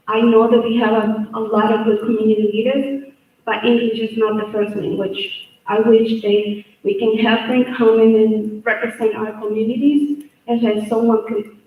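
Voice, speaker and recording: A woman's voice: on the high side, narrow, tinny audio. A middle-aged woman from El Salvador, speaking English with a Salvadoran Spanish accent, makes an earnest plea at a public hearing. She restarts and repeats phrases as she speaks. Her voice reaches the mic from a distance, with heavy room echo. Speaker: state representative giving public testimony. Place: large echoey hearing room. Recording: echoey hall, voice far from mic.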